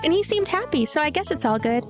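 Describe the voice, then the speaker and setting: Woman voicing Yoru, high-pitched energetic cheerful girl. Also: fast, music in the background. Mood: bright, friendly. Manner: loud, eager, playful.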